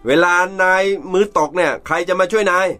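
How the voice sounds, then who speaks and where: A man's voice: sits high, fairly quick, pushed and bright, faint music behind. An actor playing a middle-aged, arrogant rich businessman and father who scolds harshly and bosses everyone around. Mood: cold.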